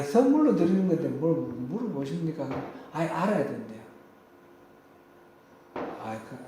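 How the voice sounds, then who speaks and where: Echoey, lively voiced male preacher. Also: on the high side, a little hiss or hum. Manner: tells personal anecdotes in a conversational tone. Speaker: pastor. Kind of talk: sermon. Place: church sanctuary. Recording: very echoey church hall.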